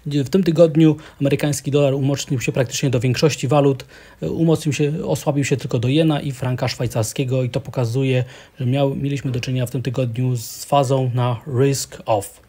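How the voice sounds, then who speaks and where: A man with a mellow, darker voice delivers steady market commentary as an analyst. He talks in a measured way, pausing often with small hesitations as he works through each chart. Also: mid-range voice, breathy edge.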